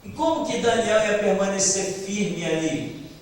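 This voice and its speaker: A man's voice: sits high, a little slow. A male preacher delivering an impassioned sermon and acting out biblical dialogue. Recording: echoey hall, distant mic.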